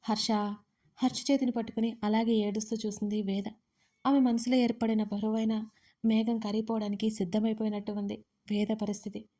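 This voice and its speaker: A woman narrates a dramatic audio story with a steady, measured reading. Her voice sits on the higher side, with a mellow, dark warmth.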